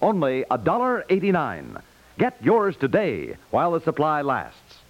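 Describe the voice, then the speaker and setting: An American man announcing in vintage 1950s radio style. His voice is on the high side, with lively, sweeping intonation and a polished sales delivery. The recording is dull and old. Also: moderate pace, loud music behind the voice. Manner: polished, promotional.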